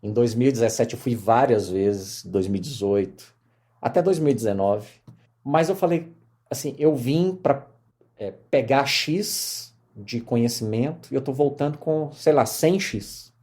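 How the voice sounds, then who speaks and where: A middle-aged man from Minas Gerais with a Mineiro accent, telling his career story as a podcast guest in lively casual conversation. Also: medium pitch, a little slow. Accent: Mineiro Portuguese. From Minas Gerais, Brazil. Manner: animated storyteller, many fillers.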